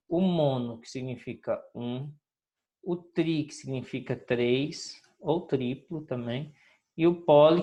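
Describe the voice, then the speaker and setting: A woman teacher going over homework in a recorded lesson, patient and drawn-out, often checking in with her students. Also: deep voice. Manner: patient, drawn-out, sing-song teacher talk with frequent checks like "ok?".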